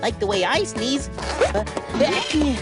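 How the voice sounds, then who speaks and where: A woman's voice: high voice, measured pace. A giggly young boy scientist. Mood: excited. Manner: excitable, giggly, sing-song. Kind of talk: children's cartoon voice acting. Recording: studio voice with music bed.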